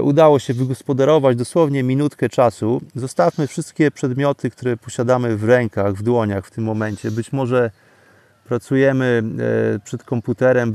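A man giving a guided breathing meditation in slow, deliberate, soothing phrases with pauses, speaking outdoors. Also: medium pitch, dark tone, dry recording. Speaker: podcast host and meditation guide. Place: outdoors, sitting in a forest among bamboo. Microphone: microphone exposed to wind. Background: birdsong.

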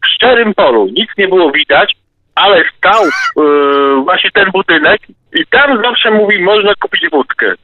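A man's voice: high-pitched, sing-song, measured pace. A male caller telling a true anecdote, with hesitant fillers. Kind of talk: casual storytelling. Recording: tinny phone line, dry.

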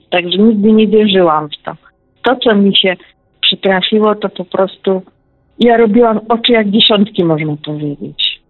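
A woman's voice: medium pitch, dry recording. Woman, caller, talkative, repeats herself, emphatic, phone line sound. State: widowed, close to tears. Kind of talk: emotional personal account. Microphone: telephone.

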